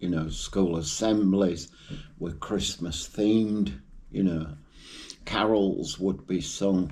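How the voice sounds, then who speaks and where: This man has a very deep, low pitch and a dark, mellow tone. He speaks very slowly with an English accent. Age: 60s. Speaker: vlogger. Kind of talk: casual chat. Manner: halting.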